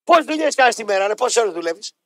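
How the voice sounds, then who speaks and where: A man hosting a sports radio show, ranting loudly, mocking and swearing, repeating his jabs. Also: extremely high pitch, big pitch swings, dry recording, clean studio sound. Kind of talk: heated talk-radio rant.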